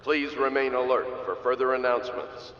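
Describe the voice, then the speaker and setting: An actor playing an official announcer reading formal public notices. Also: male voice, mid-range voice, fairly even intonation, moderate pace, fairly bright tone, echoey room, in a large hall, highs cut off, a little hiss or hum, natural voice. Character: male public announcer over loudspeakers.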